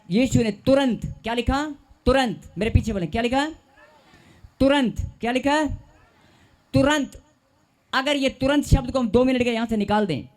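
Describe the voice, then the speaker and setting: High-voiced man preaching with call and response. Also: a little mellow. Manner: call-and-response preaching, drawn-out emphatic repetition. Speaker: pastor. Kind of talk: sermon.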